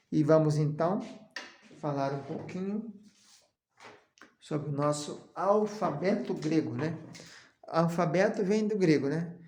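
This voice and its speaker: A Brazilian man teaching a seminary lesson on Greek. He explains slowly, often adds "né?", and chants the letter names. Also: a little high, a little mellow, roomy sound. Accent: Brazilian Portuguese.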